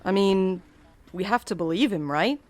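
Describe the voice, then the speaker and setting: A woman's voice: medium pitch, expressive, moderate pace, a little mellow, a little hiss or hum, close to an everyday voice. A woman playing a level-headed, plain-spoken friend in a fiction podcast, conversational and understated. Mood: concerned, puzzled. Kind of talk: naturalistic fiction podcast acting.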